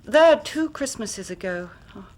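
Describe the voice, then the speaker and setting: An actress playing a grave young Victorian woman who tells her story in measured, formal speech, sometimes dropping to a hushed whisper. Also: fairly high pitch, animated, low-quality recording. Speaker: client telling her story. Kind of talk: period radio drama acting.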